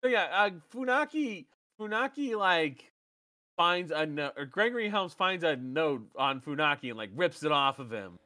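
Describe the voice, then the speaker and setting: A man's voice: a little high, big pitch swings, moderate pace, pushed and bright. A man co-hosting a casual wrestling recap podcast, bantering loosely, laughing often and swearing freely. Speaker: podcast co-host.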